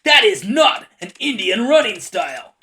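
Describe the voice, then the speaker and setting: An amateur actor voicing a furious tribal horseman with outraged, incredulous yelling in an anime fan dub. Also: high-pitched, big pitch swings, measured pace, exaggerated voice. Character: furious tribal horseman hunting an outcast tribesman.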